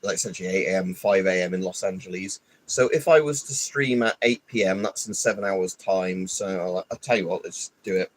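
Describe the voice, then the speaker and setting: A man's voice: low voice, fairly quick, few pauses, a little hiss or hum. A man rambling and grumbling through a casual live stream, stuffy with hay fever and swearing often. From United Kingdom. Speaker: livestreamer.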